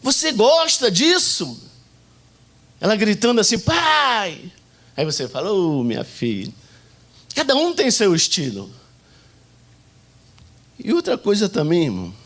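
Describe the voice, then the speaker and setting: Animated Brazilian man preaching a sermon. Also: high-pitched, moderate pace, pauses often. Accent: Brazilian Portuguese. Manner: animated storytelling, acting out shouts and quoted prayers. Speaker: pastor.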